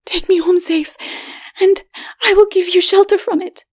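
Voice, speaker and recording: A woman voicing a timid, snobbish city lady in an audiobook, with a breathy, whispery voice. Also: extremely high pitch, steady tone, moderate pace, a little mellow, pitched above the performer's own voice. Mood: anxious. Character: frightened, haughty city woman, breathless and high. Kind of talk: dramatic audiobook reading.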